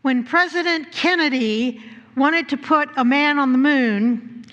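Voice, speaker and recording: A woman minister giving a sermon with stories, speaking deliberately with pauses and rhetorical questions. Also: sits high, fairly bright tone, dull audio. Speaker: minister leading a service. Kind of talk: sermon with storytelling. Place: church sanctuary during a live service. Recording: echoey hall with long reverb.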